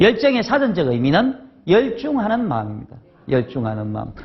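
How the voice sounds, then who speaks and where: Speaking in a strong Gyeongsang accent, a man sounds animated. He moves at a fairly quick pace with very wide pitch swings. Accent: Gyeongsang dialect, still strong. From South Korea, South Gyeongsang rural village. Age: 40s. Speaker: motivational speaker. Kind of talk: motivational lecture. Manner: animated, interactive with audience.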